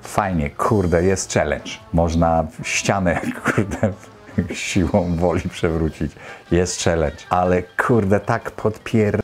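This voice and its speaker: A man's voice: sits low, slow, faint music behind. A man in his fifties giving casual, exclamatory, colloquial commentary as a host reacting to clips. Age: 50s. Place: small indoor home studio.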